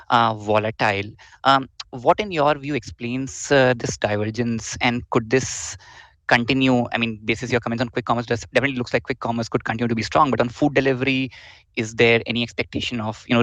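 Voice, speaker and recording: A man's voice: mid-range voice, a bit bright, no echo. Polite Indian man asking questions. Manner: polite, formal. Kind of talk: earnings call questioning.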